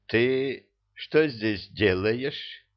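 A man's voice: a little high, huge pitch swings, drawn-out words, gravelly, lo-fi sound, pitched above the performer's own voice, full character voice. A man reading an audiobook voices an irritable, bossy male genie vizier who barks and scolds. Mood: scolding. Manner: barking, scolding.

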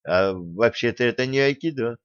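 A man's voice: mid-range voice, animated, normal speed, smooth, no echo, dull audio, natural voice. A man voicing a sheepish, cheeky young martial arts student who mumbles his apologies.

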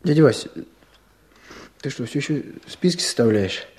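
Male actor doing young village helper guy, radio play, medium pitch, earnest n familiar. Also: lively intonation, moderate pace, darkish tone, lightly acted. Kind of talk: Russian radio play acting.

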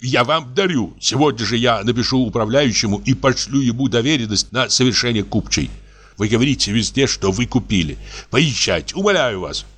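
A man doing a desperate pleading gentleman. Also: medium pitch, expressive, a little fast, slightly rough, pitched above the performer's own voice. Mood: imploring.

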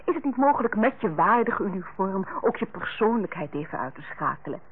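Lively, husky, coaxing housewife. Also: female voice, medium pitch, fairly quick. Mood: earnest, pleading. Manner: coaxing, earnest, hesitant when criticising. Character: friendly, tactful housewife, hostess to her sister-in-law. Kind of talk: old Dutch radio play acting. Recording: muffled, lo-fi old radio recording.

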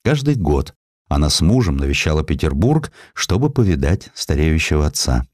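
Male audiobook narrator for historical prose: low register, lively intonation, measured storytelling, close dry sound. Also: no room sound. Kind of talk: scripted literary narration of a historical sketch.

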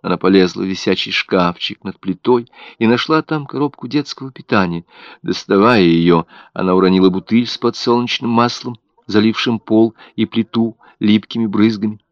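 A man narrating an audiobook with an expressive, dramatic delivery. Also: fairly low pitch, moderate pace, dry recording. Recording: dull, dry audiobook recording.

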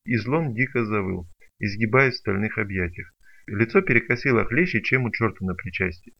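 A man narrating an audiobook in an expressive storytelling manner. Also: on the low side, a little fast, gravelly, slightly rough. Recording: dull lo-fi recording.

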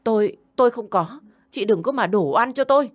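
A woman voicing a spiteful young woman, a defensive younger sister who talks in a shrill, whiny, indignant way. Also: expressive, fairly quick.

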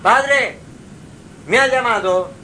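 A man's voice: very high voice, slow, pushed and bright, a little hiss or hum, voice pushed up, full character voice, rough recording. A man voicing an earnest young biblical man who eagerly asks what he should do.

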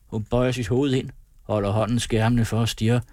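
A man reading a novel aloud as an audiobook narrator, calm and measured in his storytelling. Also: medium pitch, no room sound, studio quality. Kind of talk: scripted narration.

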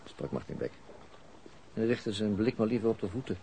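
A man's voice: fairly low pitch, sing-song, moderate pace, creaky, warm tone. An actor playing a wry, self-mocking police detective in a radio drama, dry and sometimes hesitant in his delivery. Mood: sardonic musing. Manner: dry, sardonic, hesitant when talking. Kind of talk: radio drama dialogue and ironic inner monologue. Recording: noisy radio play with background ambience.

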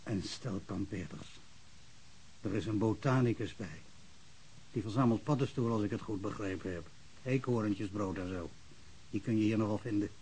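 A man's voice: lowish voice, moderate pace, long pauses, a little mellow, a little hiss or hum, close to an everyday voice, poor audio. An actor playing an emotional, stammering small-town policeman in a radio drama. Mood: hesitant. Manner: stammering, repetitive, rambling.

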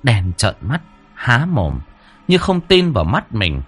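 A man narrating a scripted story with dramatic, expressive delivery. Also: mid-range voice, slow, husky, faint music behind.

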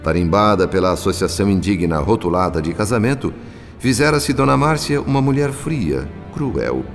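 A man's voice: on the low side, lively intonation, moderate pace. A man with a Brazilian accent narrating a radio drama in a solemn, formal, literary manner. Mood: solemn, ironic. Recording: long reverb, soft music behind.

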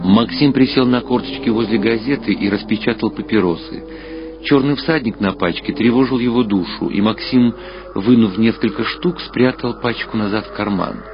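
A man reading literary fiction aloud as a narrator, with measured, expressive dramatic storytelling. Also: fairly low pitch. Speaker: audiobook narrator. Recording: muffled radio-style sound, music behind. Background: clear background music.

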